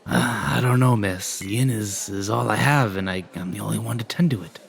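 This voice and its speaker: A man voicing a folksy innkeeper in a comic fantasy skit, with a gravelly, stammering, old-fashioned way of talking. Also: on the low side, brisk. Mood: reluctant. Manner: folksy archaic speech, stammering. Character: folksy male innkeeper, grateful, given to dramatics.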